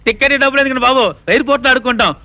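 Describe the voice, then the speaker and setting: Cheeky scheming beggar, breezy rapid talk, bright dry voice. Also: male voice, very high voice, fairly even intonation, no room sound, full character voice. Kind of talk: film comedy.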